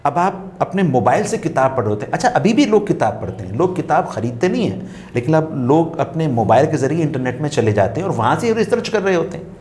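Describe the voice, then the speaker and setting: A man as a talk-show guest, speaking in an unhurried, musing way, repeating phrases for emphasis and quoting couplets. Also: on the high side, very animated, darkish tone. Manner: quotes couplets while explaining. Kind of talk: reflective talk-show conversation.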